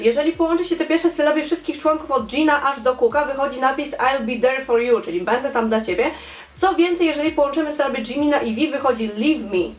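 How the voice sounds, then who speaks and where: Animated young woman in an echoey room. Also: high voice. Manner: animated, enthusiastic, repeats words for emphasis. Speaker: fan theory vlogger. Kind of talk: casual chat reading comments.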